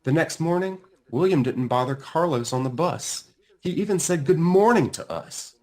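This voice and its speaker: A man reading a children's storybook aloud as its author, with deliberate, dramatic emphasis. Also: fairly high pitch, animated, darkish tone. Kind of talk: expressive children's storybook narration.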